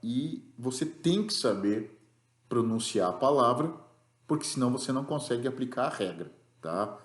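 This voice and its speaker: A man's voice: medium pitch, lively intonation, normal speed, echoey room. A man with a Brazilian Portuguese accent teaching an English grammar lesson, explaining rules patiently and checking in with the class after each point.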